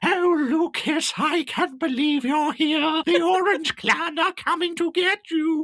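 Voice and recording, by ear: This is a put-on character voice that sounds female, pitched extremely high. It moves at a fairly slow pace.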